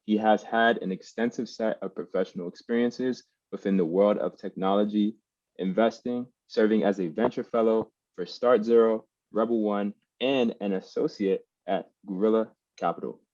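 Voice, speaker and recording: A man hosting a podcast, reading out a guest introduction in a measured, formal way. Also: fairly even intonation, darkish tone, no room sound. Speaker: podcast host. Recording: dull, dry, low-fidelity.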